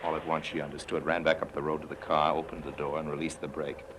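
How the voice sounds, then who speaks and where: A very deep-voiced suave con-man. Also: little pitch movement, quick pace. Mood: wry. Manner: wry, confiding first-person narration. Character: suave cynical male con-man smuggler narrating. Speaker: narrator and lead character. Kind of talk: 1950s radio drama acting. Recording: old radio broadcast with faint hiss.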